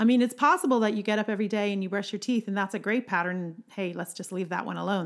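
A woman talks very fast with fairly even intonation and vocal fry, on a very clean recording with a silent background. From Ireland. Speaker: podcast host, documentary maker. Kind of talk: solo motivational talk. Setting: studio microphone.

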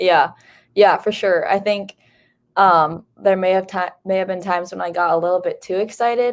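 A woman with a plain, everyday voice, medium pitch and fairly even intonation. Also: moderate pace. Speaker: college soccer player. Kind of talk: casual interview.

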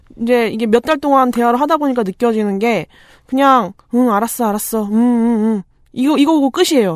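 A woman speaks fairly quickly in a high voice with ordinary pitch variation, the sound dry and close with no echo on a very clean recording over a silent background. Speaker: baker and union branch leader. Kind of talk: interview about labor union struggle. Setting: studio. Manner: halting, many fillers.

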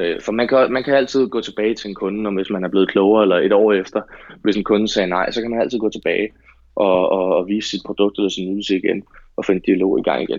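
At a very fast pace, a man talks at a fairly low pitch with fairly even intonation. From Denmark. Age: 20s. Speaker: sales agency founder. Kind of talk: podcast interview. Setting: studio. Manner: hesitant, many fillers.

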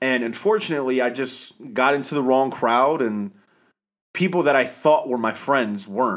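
An animated man at medium pitch with an American accent, moderate pace and ordinary pitch variation, on a very clean recording with a silent background. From Connecticut. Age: 20s. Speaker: podcast host. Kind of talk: solo personal monologue. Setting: home recording. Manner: casual, animated.

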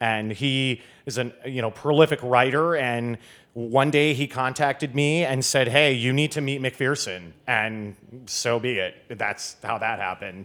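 A man with a plain, everyday voice, pitched in the middle range with ordinary variation. He talks at a fairly slow pace on a very clean recording with a silent background. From Michigan. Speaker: wine sales and marketing professional. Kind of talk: casual chat. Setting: studio.

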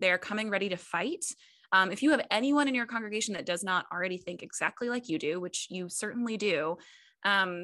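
A woman with a plain, everyday voice, at a fairly quick pace and with ordinary pitch variation. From US, military family, moved often. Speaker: writer and theology doctoral student. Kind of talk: podcast interview.

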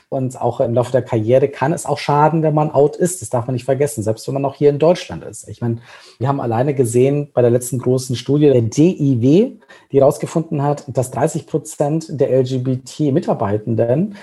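This man's voice is somewhat breathy and fairly high-pitched. He talks at a moderate pace. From Bavaria, Germany. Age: 40s. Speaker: diversity consultancy CEO. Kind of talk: interview. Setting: remote call.

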